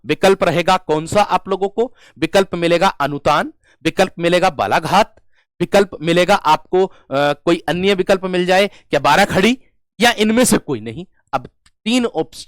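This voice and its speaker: Young male tutor, slightly high voice, dry close sound; repetitive, emphatic, checks in with students constantly. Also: no room sound. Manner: repeats key terms, drills phrases slowly, checks in with students; swings between loud emphatic bursts and quiet dictation. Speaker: Hindi teacher. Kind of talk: exam-prep lecture.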